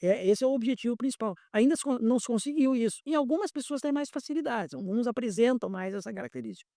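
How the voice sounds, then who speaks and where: 50s guy, pilot examiner, explains slow and patient, dry close sound. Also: extremely high pitch, gravelly, dark tone, no echo. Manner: patient explaining, repeats words while searching. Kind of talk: explanatory podcast interview.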